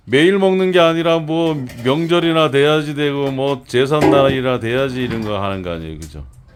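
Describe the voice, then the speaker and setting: Over music in the background, a man talks at a moderate pace in a fairly high pitch with lively intonation. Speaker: farmer. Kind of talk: casual conversation.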